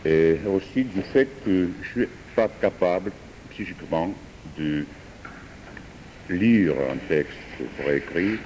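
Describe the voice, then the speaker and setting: A man, a French speaker, improvising a philosophical talk with hesitant pauses and fillers. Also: low voice, darkish tone, slight background noise. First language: Georgian. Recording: distant voice in a reverberant hall.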